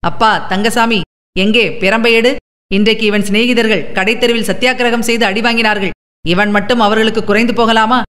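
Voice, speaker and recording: A woman's voice: fairly high pitch, steady tone, a little fast, a bit bright, close to an everyday voice. A woman voicing a menacing older male landlord who sneers, mocks and gives orders. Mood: mocking. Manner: sneering, mocking, commanding. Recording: long reverb.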